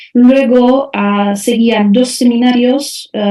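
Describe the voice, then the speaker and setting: A woman with a Czech accent speaks in a monotone, flat way. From Czech Republic. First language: Czech (speaking Spanish). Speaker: university lecturer. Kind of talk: presentation. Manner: halting with frequent fillers.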